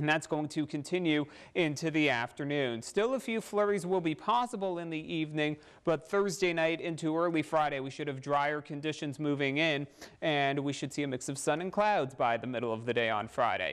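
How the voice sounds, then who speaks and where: A man's fairly high voice at a fairly quick pace, with ordinary pitch variation. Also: quiet background. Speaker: TV weather forecaster. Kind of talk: local TV weather forecast, reading temperatures and outlook. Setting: TV studio. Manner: steady, clear presenter delivery, listing temperatures city by city; explanatory, walking viewers through the weather pattern. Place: studio. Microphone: lapel.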